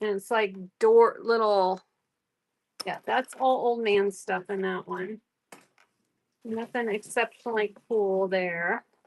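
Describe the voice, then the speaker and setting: A woman with a Missouri accent speaks at a very slow pace, with long, frequent pauses. Her pitch is medium and her intonation fairly even. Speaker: online auction seller. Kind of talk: live auction stream. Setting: garage during a thunderstorm.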